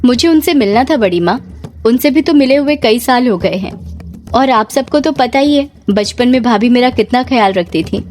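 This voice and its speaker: A woman's voice: on the high side, lively intonation, normal speed, darkish tone, faint music behind, natural voice. A woman voicing a polite bashful young man.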